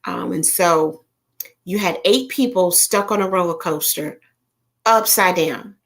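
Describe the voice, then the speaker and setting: A woman with a Southern American accent, chatting casually with viewers on a livestream and telling stories in an animated way. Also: on the low side, a little slow. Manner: animated storyteller, talks straight to viewers, frequent fillers. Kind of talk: casual chat.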